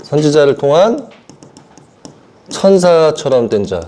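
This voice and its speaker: A male preacher with a mellow, relaxed tone gives a sermon. His pitch swings widely as he acts out the characters in the stories. He keeps stopping to ask the congregation whether they follow him. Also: slow pace, a little hiss or hum. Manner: animated storytelling, acting out voices of Jesus and Peter; asks the listeners if they understand.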